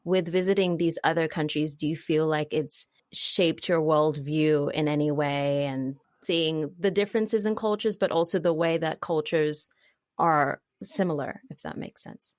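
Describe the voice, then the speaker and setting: A woman's voice: low-pitched, a little slow, darkish tone, no echo, studio quality. A teenage woman hosting a podcast, chatty and upbeat in casual conversation, saying "like" often. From Zimbabwe, raised in London and Beijing. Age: teens. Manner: chatty and upbeat, uses "like" a lot. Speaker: podcast host.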